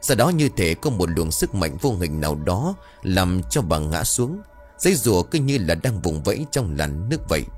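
Low-voiced man narrating a ghost story. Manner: voices characters in dialogue, expressive.

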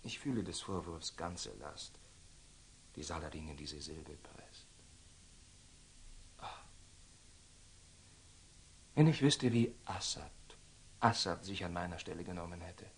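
An actor playing an impetuous, proud young Christian knight in a radio play, speaking classical verse in a theatrical, emotional way. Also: male voice, deep voice, slow, long pauses, a little hiss or hum, poor audio. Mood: subdued remorse.

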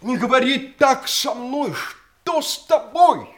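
An actor in a Soviet audio drama playing an uneasy, defensive middle-aged family lawyer, hesitant and formal, in a roomy recording. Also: male voice, very high-pitched, lively intonation, slow, fairly bright tone, full character voice. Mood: firm, agitated.

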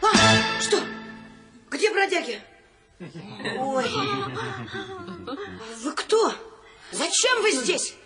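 A woman's voice: very high voice, sing-song, very slow, long pauses, over loud music, full character voice. A woman voicing a weary young pauper boy who has become king, talking in an exasperated, pleading way. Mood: bewildered.

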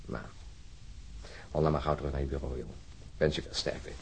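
An actor playing an earnest, disillusioned police officer in a radio drama, with a husky voice and a deliberate, wryly lecturing manner. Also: male voice, extremely low pitch, fairly even intonation, a little hiss or hum. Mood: resigned. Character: disillusioned, earnest male Stockholm police officer, talking at length. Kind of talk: naturalistic radio drama acting.

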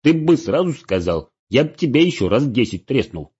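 A man's voice: mid-range voice, very animated, moderate pace, darkish tone, breathy edge, voice pushed up. A man voicing a blunt, wry male adventurer who teases his companion. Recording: dull lo-fi recording.

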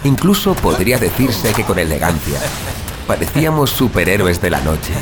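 A man plays a brooding killer who roams the night in an audio drama. His voice sits a little low and moves expressively, with a Castilian Spanish accent and a wry, coarse turn of phrase. Music runs behind him. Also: big pitch swings, normal speed. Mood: brooding narration. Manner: wry, foul-mouthed, colloquial. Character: brooding, sarcastic male night-prowling killer who narrates his story. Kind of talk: audio drama dialogue and first-person narration.

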